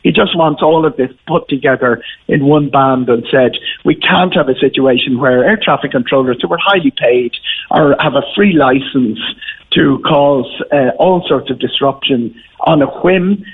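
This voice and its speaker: An Irish man giving off-the-cuff expert analysis as a radio guest, explaining in a halting way and repeating words as he goes. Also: medium pitch, breathy edge. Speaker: travel commentator, radio guest. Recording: muffled phone-like line on radio.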